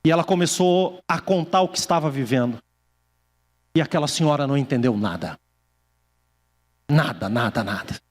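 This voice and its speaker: A male pastor preaching a sermon, telling stories, acting out quoted voices and slowing down for emphasis. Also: medium pitch, lively intonation, in a large hall. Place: church hall.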